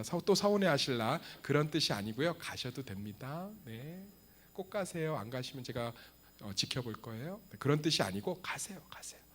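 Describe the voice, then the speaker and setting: A male pastor preaches in a church with a very lively, swooping voice. He jokes with the congregation and keeps firing rhetorical questions at them. His voice sits at an ordinary male pitch. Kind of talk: lively sermon. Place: church sanctuary.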